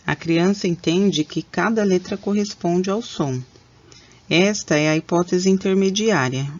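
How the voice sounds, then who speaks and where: A woman's voice: lowish voice, muffled recording. Woman reading a teacher-training talk. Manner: measured, explanatory. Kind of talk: reading prepared training presentation.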